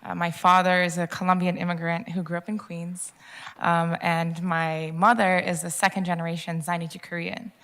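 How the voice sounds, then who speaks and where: A woman's voice: lowish voice, little pitch movement, moderate pace, fairly bright tone. A young woman from Japan asking a lecture question, hesitant and full of ums. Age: young adult.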